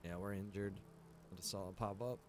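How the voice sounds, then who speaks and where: A man streams a video game and talks through it casually. His voice sits a little low, and he rambles as he thinks out loud. There is some steady noise behind him. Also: fairly quick. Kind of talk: casual livestream gameplay commentary.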